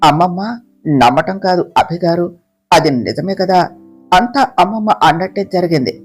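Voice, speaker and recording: A storyteller voicing a frightened young wife who pleads with her husband through tears, soft guitar playing behind. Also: mid-range voice, normal speed, slightly rough, natural voice. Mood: tearful. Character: tearful young pregnant wife, fearful and devoted. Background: soft guitar music.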